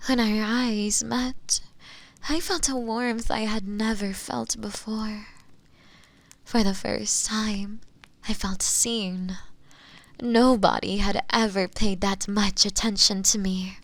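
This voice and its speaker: A woman playing an imprisoned witch in an audio roleplay, seductive, teasing and obsessive, sometimes hushed as she speaks to the listener. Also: mid-range voice, fairly even intonation, creaky. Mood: lovestruck, wistful. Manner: slow, teasing, hushed at times, with pet names. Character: imprisoned witch, seductive, obsessive yandere, bitter toward inquisitors.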